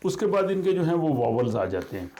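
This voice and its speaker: Mellow-voiced man teaching. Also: a little high, sing-song, a little hiss or hum. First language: Urdu. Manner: slow, measured, with frequent hesitations. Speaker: language teacher. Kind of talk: explanatory language lesson.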